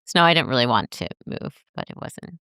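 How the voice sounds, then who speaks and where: A woman's voice: rumbling low, expressive, a little fast, pushed and bright, clear, resonant tone, no echo, studio quality. An American woman guesting on a podcast, telling her story casually and acting out voices from her anecdotes. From United States.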